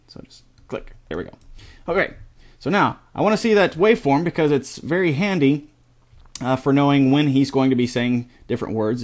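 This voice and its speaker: A middle-aged man hosting a screen-recorded software tutorial, talking casually with lots of fillers and restarts. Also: mid-range voice.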